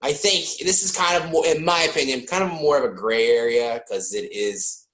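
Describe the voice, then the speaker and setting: A man hosting a podcast, chatting casually about a film, animated and joking, swearing now and then. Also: a little high, reverberant. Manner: animated, swearing, quick jokey impressions. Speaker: podcast host. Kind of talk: casual film-review chat.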